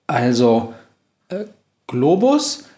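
A man's voice: medium pitch, huge pitch swings, drawn-out words, warm tone, reverberant, full character voice. A man voicing a kind, curious witch who speaks eagerly.

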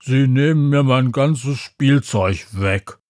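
A man voicing a huge, sulky shadow creature who grumbles in a slow drawl. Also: medium pitch, a little mellow, dry recording, studio quality, close to an everyday voice.

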